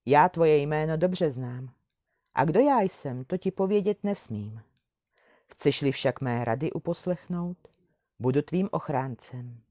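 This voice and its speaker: A loyal little white horse from a storybook, wise and gently reassuring, as a woman reading aloud puts him on. The voice sits low and mellow, recorded close and dry. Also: lively intonation, dry recording. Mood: calm.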